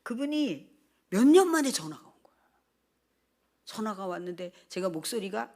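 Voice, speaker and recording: A woman's voice: mid-range voice, normal speed. Older woman pastor telling a testimony. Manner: animated storytelling, acting out quoted speech. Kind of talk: sermon testimony.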